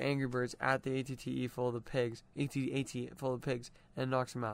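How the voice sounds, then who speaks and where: A man with an unremarkable speaking voice at medium pitch, fairly even intonation and a moderate pace. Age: 20s. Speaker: podcast co-host. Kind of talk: casual chat.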